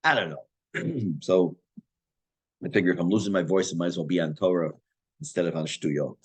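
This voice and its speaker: An older man teaching a Torah class in a conversational, self-deprecating way, his voice going hoarse and interrupted by throat clearing. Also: low voice, moderate pace. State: losing his voice. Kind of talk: Torah class, explaining text.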